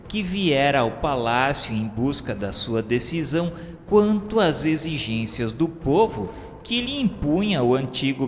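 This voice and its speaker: Slow, solemn Brazilian male narrator. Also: medium pitch. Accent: Brazilian Portuguese. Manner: slow, solemn, measured delivery. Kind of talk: scripted radio drama narration. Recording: long reverb with faint music.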